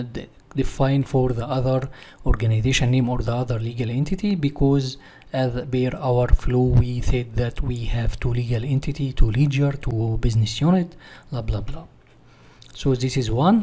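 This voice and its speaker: Male software trainer, non-native English speaker, mid-pitched husky voice, didactic question-and-answer delivery for screen tutorials. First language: not English. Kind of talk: screen-share software walkthrough, part read from notes.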